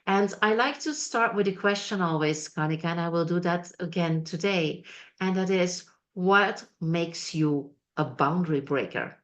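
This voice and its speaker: A woman's voice: lowish voice, normal speed. A woman hosting a talk show, asking questions and encouraging her guest with frequent affirmations. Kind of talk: interview hosting.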